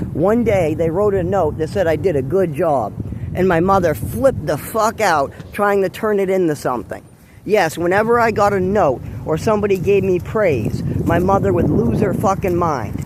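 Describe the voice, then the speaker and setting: A man with a high-pitched voice talks at a moderate pace with lively intonation and very even loudness over noticeable background noise. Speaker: vlogger. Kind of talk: personal rant. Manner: animated.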